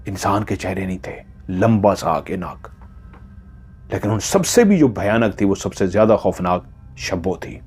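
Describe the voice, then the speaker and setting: Guy narrating a scary story, kinda low voice, dramatic, builds suspense by repeating bits. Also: lively intonation, moderate pace, a little mellow, husky, faint music behind. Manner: suspenseful, repeats phrases for emphasis. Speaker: horror storyteller. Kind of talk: dramatic spoken horror narration.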